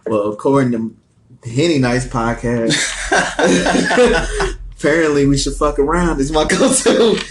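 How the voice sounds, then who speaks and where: A man in a casual podcast chat, teasing and quick to laugh. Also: a little high, expressive. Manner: giggly, teasing. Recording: clear background noise with clicks.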